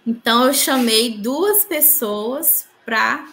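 A woman's voice: fairly high pitch, takes it slowly, sharp tone, slight background noise. Earnest woman recounting spiritual experiences. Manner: earnest, tells her story with reported dialogue. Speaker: interviewee. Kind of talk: personal spiritual testimony.

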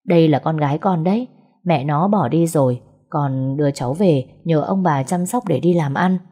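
Woman narrator doing a kind, joking young man, low mellow voice. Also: moderate pace, slightly rough. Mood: teasing. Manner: joking, polite to parents. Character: young man, cheeky and caring.

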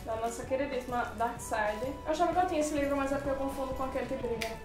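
A woman hosting a casual gift unboxing chat, excitable and full of exclamations. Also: high-pitched, very fast, over music. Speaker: channel host. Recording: roomy, distant mic.

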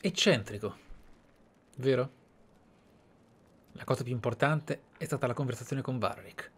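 A man's voice: mid-range voice, measured pace, slightly rough. A man hosting a let's play, commenting and reading game text aloud. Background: game music.

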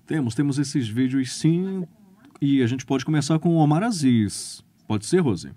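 A man's voice: mid-range voice, expressive, unhurried, dark tone. A young man with a Brazilian accent, a news anchor at a studio microphone, making brief conversational handoffs. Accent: Brazilian Portuguese. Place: radio studio.

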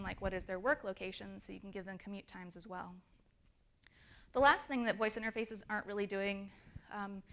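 This design conference talk comes from a woman whose medium-pitched, fairly bright voice has some vocal fry. Speaking from the stage, she works through her points with fillers and shows examples of intonation.

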